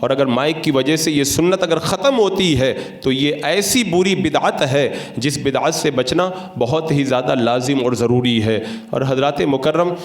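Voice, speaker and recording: A man's voice: medium pitch, normal speed, hardly any pauses. An Indian man preaching a Friday sermon as a Muslim cleric, instructing and arguing his points in a didactic way. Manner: didactic, argumentative, rhetorical questions. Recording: echoey, reverberant room sound.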